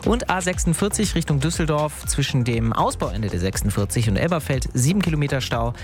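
A man's voice: fairly high pitch, animated, fairly quick, faint music behind. A man hosting a local morning radio show, reading weather and traffic in a chatty, informal way. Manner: chatty, upbeat, informal asides. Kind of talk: casual lively radio presenting.

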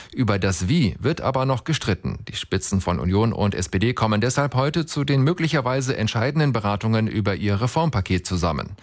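A man reading the morning radio news as anchor, steady and measured, handing over to a reporter. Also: fairly low pitch. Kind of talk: read radio news bulletin.

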